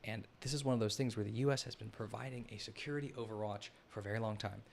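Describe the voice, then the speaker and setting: A lower-pitched man hosts a live stream and talks through a map in loose, unscripted commentary. He often stops and restarts his sentences and speaks straight to the chat. A faint hiss sits under the recording. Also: fast talker, gravelly. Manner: rambling, self-correcting, addresses the chat. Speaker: host of a live analysis stream.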